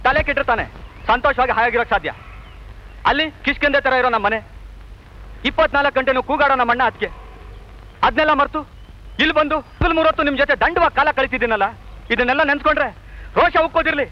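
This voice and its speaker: An actor playing a frustrated, quick-tempered young man without work. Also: extremely high pitch. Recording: dull old film soundtrack with music.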